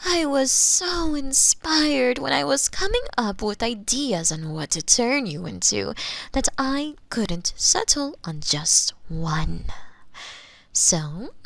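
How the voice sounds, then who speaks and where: Woman playing a female mad scientist, sadistic and fascinated, very animated pitch, slow savoring delivery, dry close-up ASMR sound. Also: vocal fry, dry recording, exaggerated voice. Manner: theatrical, savoring, gloating, lapsing into whispers and giggles. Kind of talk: ASMR roleplay, theatrical monologue to the listener. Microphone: close binaural microphone.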